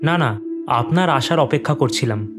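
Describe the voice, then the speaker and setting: A man's voice: mid-range voice, expressive, moderate pace, music in the background, close to an everyday voice. An actor playing a deferential police constable who answers his superior briefly. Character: dutiful male police constable.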